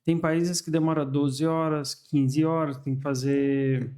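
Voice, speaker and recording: A man's voice: on the high side, flat delivery, unhurried, mellow. A man from Brazil with a Brazilian Portuguese accent, a curious, chatty podcast host who talks with lots of fillers. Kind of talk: conversational interview.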